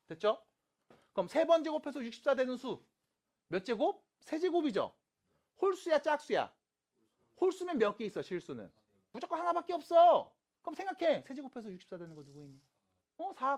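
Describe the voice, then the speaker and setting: A middle-aged man teaching a math lesson, asking quick questions and answering them himself. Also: high-pitched. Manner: lively, asks and answers own questions. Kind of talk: lecture.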